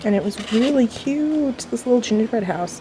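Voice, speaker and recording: A woman's voice with noticeable background noise. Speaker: lifestyle vlogger and health coach. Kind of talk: casual vlog. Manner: soft-spoken.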